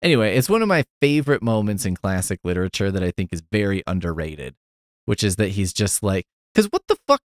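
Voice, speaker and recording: A middle-aged man with a low voice talks casually on a podcast, recorded dry and close with no room sound. He rambles through a story full of fillers and asides, sarcastic and quick to swear. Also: lively intonation, dry recording. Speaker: podcast host.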